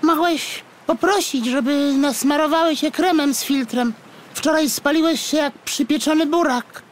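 A man voicing a cheeky little male rodent with a squeaky, reproachful, grumbling voice in a storybook. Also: measured pace, a little hiss or hum. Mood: reproachful, mocking.

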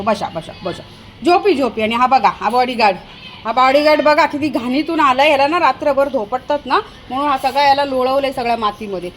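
Woman, high voice, chatty home vlog, calls to her dogs, faint background noise. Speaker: vlogger. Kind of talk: casual home vlog talking to pets and viewers.

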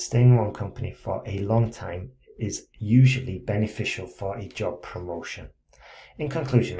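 A man's voice: on the low side, mellow. A man tutoring English writing, reading a student's letter aloud and stopping to correct it, with frequent check-ins and encouragement. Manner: reads student text aloud, breaks off to comment. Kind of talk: essay correction screencast.

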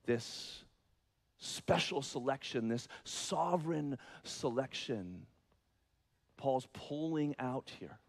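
A man preaching a sermon as pastor, moving between soft, low explanation and loud, high-pitched emphasis in an earnest, conversational way. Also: animated, slow pace.

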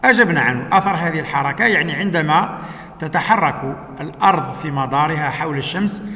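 A man teaching a lesson, working through exercises step by step with patient explanations and frequent "uh" pauses. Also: a little high, expressive, sharp tone. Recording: echoey room with long reverb.

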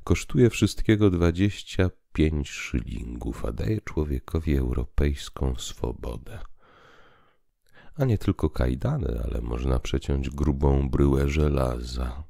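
A man voicing a wry, deliberate priest in audiobook dialogue. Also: extremely low pitch, animated, vocal fry, warm tone, no echo, clean studio sound, exaggerated voice. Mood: wry, pleased. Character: wry, unhurried male priest chiding a sceptic.

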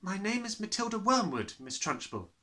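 A man voicing a quiet, polite, clever little schoolgirl in a children's storybook, speaking carefully. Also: sits high, big pitch swings, normal speed, pitched above the performer's own voice, heavily acted. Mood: hesitant, polite. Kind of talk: dramatised children's storybook reading.

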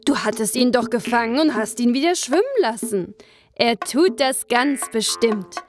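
A woman's voice: moderate pace, over music, close to an everyday voice. An actress playing a nagging, greedy fisherman's wife in a fairy-tale radio play, whiny and coaxing. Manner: whiny, coaxing, high and sing-song.

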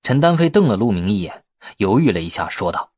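Husky male audiobook narrator, lively pitch. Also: brisk, dry recording, studio quality. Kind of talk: scripted narration of a Chinese novel.

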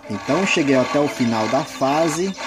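A man's voice: medium pitch, animated, normal speed. A man with a Brazilian accent giving casual, rambling gameplay commentary. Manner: rambling, conversational. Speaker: gaming video creator. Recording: loud game music behind.

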